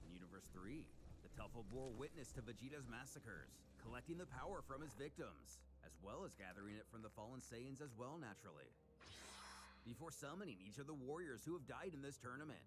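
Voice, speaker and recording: A man narrates a comic saga with theatrical drama and a very lively range of pitch. His voice sits in an ordinary middle register. The recording is very noisy, with loud ambience underneath him. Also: fairly quick. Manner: theatrical storytelling with voiced character lines. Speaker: narrator reading a comic aloud. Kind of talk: dramatic scripted recap narration.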